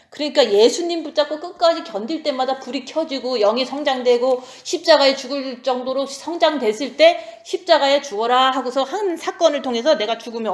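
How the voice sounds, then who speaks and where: A woman in her forties preaches in a loose, conversational way, often checking in with her listeners. Her voice sits a bit high, and it carries with a roomy echo around it. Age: 40s. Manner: conversational, keeps asking the audience "right?". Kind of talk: sermon.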